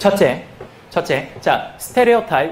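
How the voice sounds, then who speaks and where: Over noticeable background noise and audible room echo, a man speaks at a moderate pace in a Gyeongsang accent. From South Korea, Gyeongsang province. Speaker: exam prep lecturer. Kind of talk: lecture. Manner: conversational, lively.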